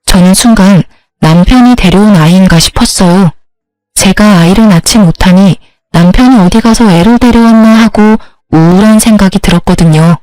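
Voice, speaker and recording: A woman's voice: medium pitch, moderate pace, dark tone, dry recording, low-quality recording. Korean woman narrating an indignant first-person story.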